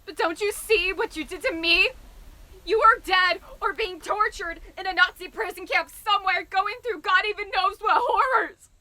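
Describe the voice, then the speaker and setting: A very high, bright female voice from an actress plays a lovelorn wartime spy. She is wry and bitter, with raw anguish underneath, in the style of an emotional audio drama. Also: normal speed. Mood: anguished, tearful.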